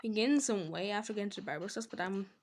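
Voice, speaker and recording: A woman talking casually over her gameplay as a gaming channel host, chatty and rambling, quick to laugh and exclaim. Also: mid-range voice, a little hiss or hum.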